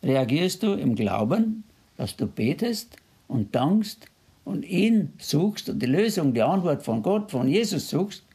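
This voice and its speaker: Earnest higher-voiced male preacher. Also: sing-song, unhurried, mellow. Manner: earnest, quotes scripture in a raised voice. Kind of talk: sermon.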